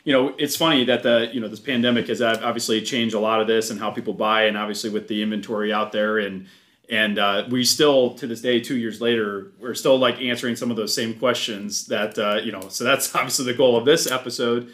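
Male podcast co-host, chatty, filler-heavy, mid-pitched and easygoing in speech. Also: fairly even intonation, a bit bright. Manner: chatty, filler-heavy, quick agreeing interjections. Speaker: podcast co-host at a car dealership. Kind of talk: casual podcast chat.

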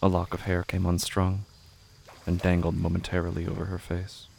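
A man reading scripted, literary narration for a horror audio drama in a measured, brooding way. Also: low voice, monotone, vocal fry, darkish tone, a little hiss or hum.

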